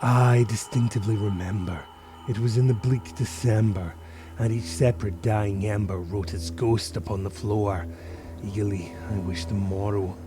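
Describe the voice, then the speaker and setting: A man narrating a gothic poem as a dramatic reading, with theatrical, deliberate phrasing. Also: on the low side.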